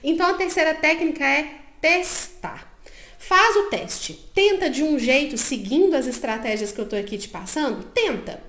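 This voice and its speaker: High-voiced woman, echoey room. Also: expressive, normal speed, a bit bright. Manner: explains step by step, checks in with the listener often. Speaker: psychologist. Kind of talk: advice talk to parents. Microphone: own microphone.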